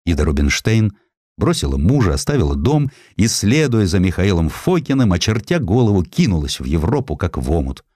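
A man narrating a historical literary sketch in an expressive, theatrical way with dramatic pauses, recorded close in a studio. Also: low-pitched, dry recording. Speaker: audiobook narrator. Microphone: close studio microphone.

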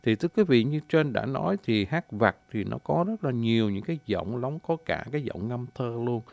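A man giving an informal spoken lecture. He politely addresses his listeners and fills pauses with drawn-out "à" sounds. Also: medium pitch, animated, gravelly, darkish tone, no room sound. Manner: frequent drawn-out "à" fillers between phrases. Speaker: presenter explaining folk singing.

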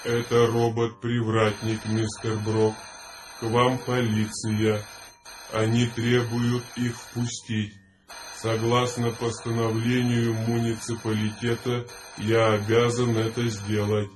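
A man's voice: fairly low pitch, slow. An actor in a radio play voicing a dutiful robot doorman, impassive and formal. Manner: monotone, formal. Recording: roomy echo, clear background noise.

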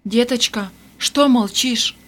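A woman reading an audiobook voices a middle-aged aunt in black who speaks softly through tears. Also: fairly high pitch, slow pace. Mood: tearful. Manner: soft, tearful, gentle. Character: grieving woman in black, stern then tender aunt.

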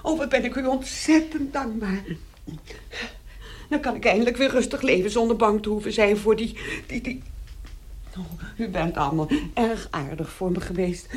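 A woman's voice: a little high, moderate pace, pauses often, darkish tone, natural voice. An actress playing a timid, servile housemaid in a radio drama, stammering and breathless as she addresses her employers. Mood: relieved, flustered.

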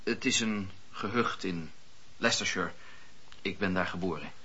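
An actor playing a fervent, earnest wandering preacher of the seventeenth century, declamatory, in a radio drama. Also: male voice, low-pitched, pushed and bright, slightly rough, exaggerated voice. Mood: earnest, assured. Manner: declamatory, impassioned storytelling with dramatic pauses. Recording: dull, lo-fi radio play recording.

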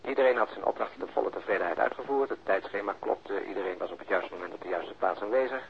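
A man's voice: fairly low pitch, quick pace. An actor playing a nervous, ironic perfectionist policeman in a radio drama, wry and at times hesitant. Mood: sardonic. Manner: wry, hesitant, theatrical emphasis. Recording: muffled radio drama recording, clear background noise.

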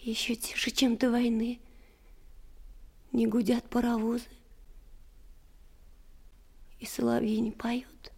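A woman's voice: fairly high pitch, completely flat delivery, unhurried, creaky, warm tone, husky, full character voice. An actress playing an anxious, tender young girl in a wartime radio drama, childlike and plaintive. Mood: subdued, anxious.

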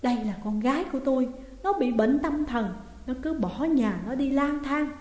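Distraught parent, Southern Vietnamese accent, urgent, fairly high voice, long reverb, read by a woman. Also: expressive, moderate pace, a little mellow. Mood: anxious. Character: distraught parent of a lost daughter. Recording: echoey room with long reverb.

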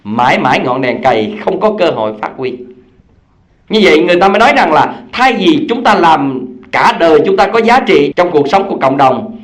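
Lively, high-voiced male Buddhist teacher. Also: a little fast. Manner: storytelling, asks the audience questions. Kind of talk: Buddhist dharma talk.

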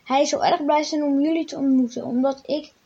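An eager village farmer who keeps urging the visitors along, insistent and quick to boast, voiced by a woman reading the story aloud. The voice sits high. The recording is muffled and lo-fi. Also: steady tone, mellow. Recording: dull lo-fi recording.

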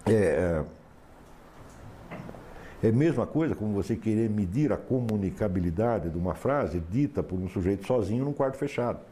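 A man's voice: medium pitch, mellow. A man giving a philosophy lecture to a class, emphatic and sardonic, often asking for assent.

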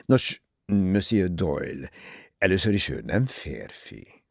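A man gives voice to a shrewd older detective in an audiobook, low and hushed, measured and musing. The tone is husky with some gravel. The sound is dry and close. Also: sing-song, no echo, heavily acted. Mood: calm.

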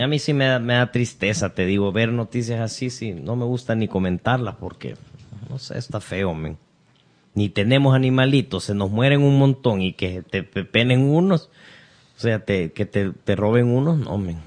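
A man's voice: fairly low pitch, animated, normal speed. Male co-host, talkative, explains at length in casual banter. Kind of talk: casual chat.

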